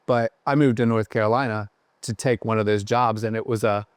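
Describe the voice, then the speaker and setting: A man's voice: on the low side, fairly even intonation, brisk, no room sound. A man guesting on a podcast, telling rambling, self-deprecating stories about his career with lots of fillers. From Ohio. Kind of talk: casual podcast chat.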